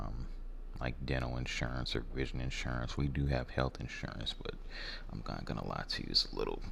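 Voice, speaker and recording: A soft-spoken American man playing a rude, jaded warehouse hiring manager in an ASMR role-play, blunt, halting and apathetic. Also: very deep voice, gravelly, heavily acted. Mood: blunt, indifferent. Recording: faint background noise.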